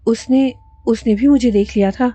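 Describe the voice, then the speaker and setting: A woman's voice: a little high, dark tone, dry recording, natural voice. Woman reading a frightened, faltering young wife. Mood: fearful. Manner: faltering, weak and stammering.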